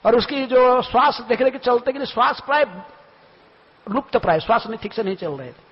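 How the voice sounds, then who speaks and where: A man's voice: extremely high pitch, fairly quick, slightly rough. A man giving a devotional storytelling lecture in a temple hall, often asking himself questions and answering them. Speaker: monk lecturer. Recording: lo-fi recording with long hall reverb.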